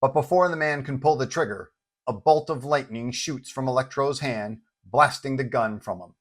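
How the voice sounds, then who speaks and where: A man's voice: mid-range voice, normal speed. A man giving scripted, dramatic narration of an action story as its storyteller.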